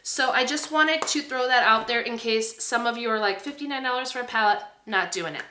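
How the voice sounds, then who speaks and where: Female beauty vlogger, bright and emphatic, chatty review delivery in an echoey room. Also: on the high side, fairly quick, slight background noise. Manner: enthusiastic, emphatic. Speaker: beauty video host. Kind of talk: casual product review to camera.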